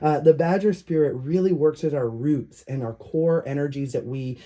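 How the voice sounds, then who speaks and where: The man's voice has a dark, mellow tone. Its pitch variation is ordinary. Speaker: psychic charm reader. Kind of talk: intuitive reading. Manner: fast; hesitant, many fillers.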